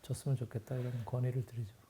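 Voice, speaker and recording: A man's voice: medium pitch, little pitch movement, rapid-fire, very noisy. A man, a hotel chairman, giving earnest and critical answers in an interview.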